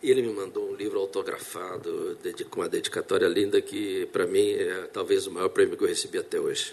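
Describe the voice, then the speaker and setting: Over noticeable background noise, a man talks at a fairly quick pace in an extremely high pitch with monotone, flat intonation. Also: hardly any pauses. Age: 70s. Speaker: playwright and TV novela writer. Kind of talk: interview. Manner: halting, with many repetitions.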